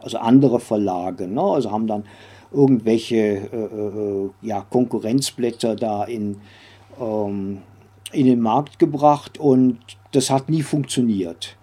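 Interview guest: older male, mellow, husky voice, halting conversational recall with frequent tag questions. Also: on the low side. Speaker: interview guest, former comics publisher and editor.

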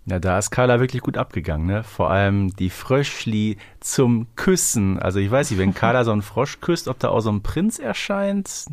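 A man's voice: on the low side, lively intonation, normal speed, hardly any pauses, no room sound. Male podcaster in a dry, close sound. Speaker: podcast co-host. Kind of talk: casual chat recapping an audio drama.

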